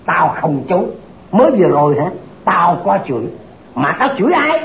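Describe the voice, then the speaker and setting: A boastful blind fortune-teller, a high voice that swoops all over as he brags and bickers. The old recording sounds dull and roomy. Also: very animated, moderate pace, vocal fry, a little hiss or hum, heavily acted. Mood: indignant. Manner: bragging, quarrelsome, wildly swooping delivery. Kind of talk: stage comedy skit.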